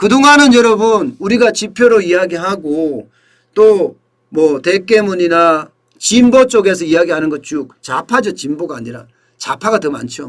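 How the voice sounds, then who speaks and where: A man with a high pitch speaks at a fairly slow pace. His pitch swings very widely and his loudness varies greatly. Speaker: political and economic commentator. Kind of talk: political commentary talk to camera.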